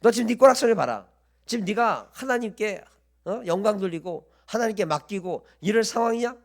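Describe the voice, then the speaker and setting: A wife's harsh, taunting scolding, raised above the preacher's usual pitch, as a man puts her on in a sermon. Her voice is sharp and scornful, and it swings widely in pitch. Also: animated, brisk, vocal fry. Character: scornful wife mocking her suffering husband.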